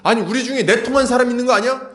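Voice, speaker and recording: A man's voice: very high-pitched, racing, fairly bright tone, voice pushed up. Suspicious angry king, demanding tone, played by a male preacher. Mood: indignant. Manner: indignant questioning.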